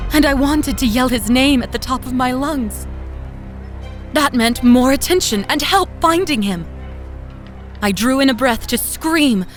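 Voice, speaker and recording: An actress playing a loving, anxious young mother, narrating her memories in an expressive, conversational way for a scripted audio drama. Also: on the high side, close to an everyday voice. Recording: faint music behind narration.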